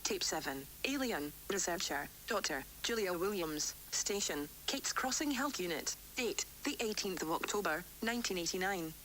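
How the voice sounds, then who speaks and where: A woman playing a worried, defiant doctor dictating formal, measured research logs for an analog horror tape series, recorded on vintage cassette. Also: on the low side, lively intonation, a bit bright, slight background noise, low-quality recording. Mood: grave, disturbed. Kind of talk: analog horror tape log, scripted report.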